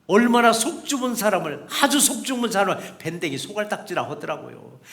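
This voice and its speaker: High-voiced preaching pastor. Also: male voice, lively intonation, a little fast, vocal fry, fairly bright tone. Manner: emphatic preaching, repeats phrases, acts out quoted voices. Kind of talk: sermon.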